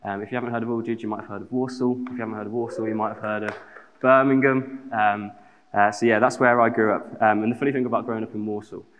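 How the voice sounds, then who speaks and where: A man's voice: lowish voice, fairly even intonation, fast talker, highs cut off. A young man with a Black Country accent from the West Midlands, reading scripture and then telling chatty, self-deprecating stories in a sermon. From West Midlands, England. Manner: chatty, self-deprecating humour with many fillers. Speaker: preacher. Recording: long hall reverb.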